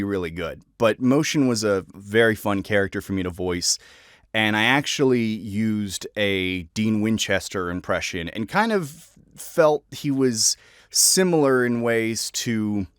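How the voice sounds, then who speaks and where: Low-pitched, clear-voiced man chatting. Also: no room sound, clean studio sound. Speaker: voice actor presenting favorite characters. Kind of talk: casual talk to viewers.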